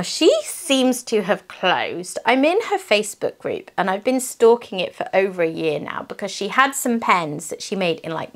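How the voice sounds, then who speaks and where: Chatty woman showing her pens. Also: mid-range voice. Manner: chatty, with fillers, laughs and self-corrections. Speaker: crafting channel host. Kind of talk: casual show-and-tell chat.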